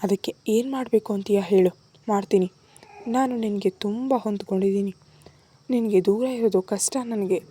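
A woman's voice: mid-range voice, moderate pace, warm tone, husky, natural voice. A woman voicing a hot-tempered, possessive young man who talks in a harsh, threatening way. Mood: pleading.

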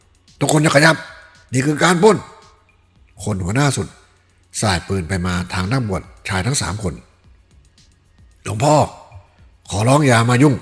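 A man's voice: medium pitch, expressive, measured pace, pauses often, faint music behind, voice pushed up, natural voice. Man putting on a menacing bandit chief. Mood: threatening. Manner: threatening, barking orders. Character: armed Chinese bandit leader, menacing.

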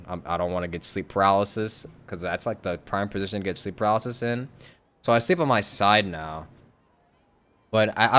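A man doing casual live-stream commentary over a game, talking in a rambling, halting, conversational way. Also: fairly low pitch, fairly bright tone.

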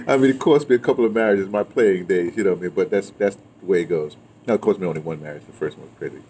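A deep, mellow voice races along as a man in his seventies, a veteran of audio drama, reminisces during an interview. His talk is casual and he repeats phrases. He's outside in a building's patio or yard, where the ambient noise is clear.

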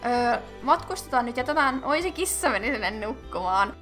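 A young woman hosting casual game commentary, chatty and excitable, thinking aloud and squealing at cute animals. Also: a little high, music in the background. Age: young adult. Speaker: gaming channel host.

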